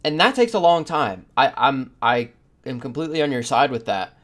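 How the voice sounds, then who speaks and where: A man's voice: medium pitch, sing-song, moderate pace, a bit bright. A man giving his opinion as a podcast host, speaking in an earnest, emphatic way and building points through repeated phrases. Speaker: podcast host, video creator.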